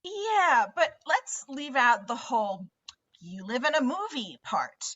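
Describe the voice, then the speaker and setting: Woman playing a high-voiced nervous teenage girl. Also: big pitch swings, a bit bright, exaggerated voice. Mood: earnest, hesitant. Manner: halting, stammering. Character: Max, nervous teenage girl, earnest and shaken. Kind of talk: table read of a horror comedy film script. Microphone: video call. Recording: dull lo-fi video call audio.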